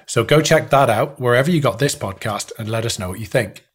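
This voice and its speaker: A man's voice: mid-range voice, brisk, slightly rough. A man co-hosting a podcast, reading out news stories and putting questions to a guest. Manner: reads headlines, then questions guests. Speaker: podcast co-host.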